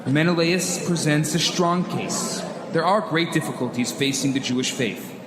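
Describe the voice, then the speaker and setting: A man's voice: on the high side, moderate pace, reverberant, background noise, close to an everyday voice. A man playing a resolute Jewish rebel leader giving an earnest, declamatory speech in a radio drama. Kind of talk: old-time radio drama reenactment speech.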